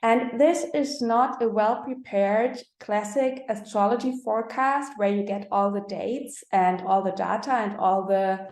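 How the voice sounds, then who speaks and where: A woman with a German accent, a non-native English speaker giving a spiritual astrology talk, pausing often and searching for her words. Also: medium pitch, darkish tone, roomy sound. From Austria. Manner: slow, halting, searching for words with many fillers.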